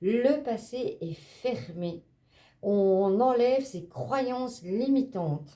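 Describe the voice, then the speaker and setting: This woman's tone is dark and mellow. She talks very slowly, with lively intonation. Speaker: tarot card reader. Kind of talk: tarot reading. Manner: hesitant.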